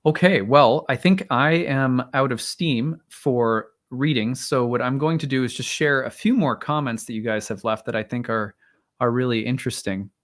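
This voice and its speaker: A man in his thirties or forties hosts a livestream and reads an astrology chart in a loose, rambling way, with plenty of fillers and restarts. His voice is strained and wearing out, and he clears his throat now and then. His pitch sits in the middle range for a man. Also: moderate pace. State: voice strained and tiring. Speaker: astrologer, live stream host. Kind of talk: casual livestream talk and chart reading.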